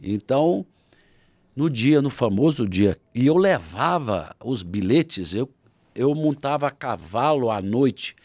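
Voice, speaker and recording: A man with a Brazilian Portuguese accent, a guest author, telling a historical story in a podcast interview and acting out shouted quotes. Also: medium pitch, very animated, slow, dry recording.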